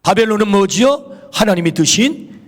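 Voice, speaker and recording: A man's voice: high voice, animated, moderate pace. A male pastor preaching a sermon in a church sanctuary, emphatic, asking rhetorical questions and pronouncing blessings. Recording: long reverb of a church hall.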